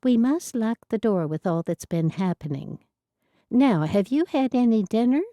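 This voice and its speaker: A fussy, protective Amish hostess, as a woman reader puts her on in a storybook, her voice lifted well above the narration. She sounds dark and mellow, close and dry. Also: a little high, animated, normal speed, dry recording, voice pushed up. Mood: concerned.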